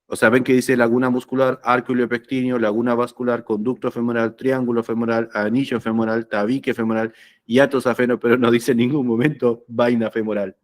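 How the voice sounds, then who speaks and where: A man's voice: medium pitch, little pitch movement, brisk. Chatty man teaching anatomy. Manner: conversational, checks understanding often with "¿sí?". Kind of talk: lecture explaining slides.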